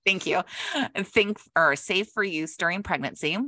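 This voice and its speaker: A woman's voice: on the low side, measured pace, pushed and bright, no room sound. A woman co-hosting a casual podcast from home, reading product notes aloud and chatting with a giggle. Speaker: podcast co-host. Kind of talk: casual chat. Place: home with cats. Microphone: own microphone.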